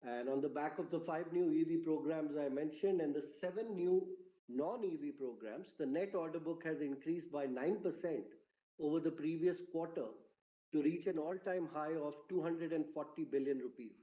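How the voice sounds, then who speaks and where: Measured and formal, like an executive updating investors on a conference call, a company executive with a fairly high, mellow voice presents prepared corporate remarks. His tone stays relaxed and soft-edged, and the roomy space around him echoes.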